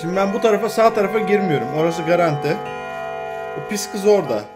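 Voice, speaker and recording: With music playing in the background, this young gaming channel host comments quickly and with lively intonation on the horror game he's playing. Addressing both himself and the game, he mutters quietly and bursts into scared yells, his voice hoarse and strained.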